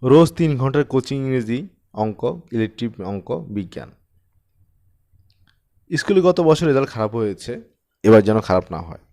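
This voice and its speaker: A man reading a short story as an audiobook narrator, in an expressive storytelling style. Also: medium pitch, normal speed, pauses often.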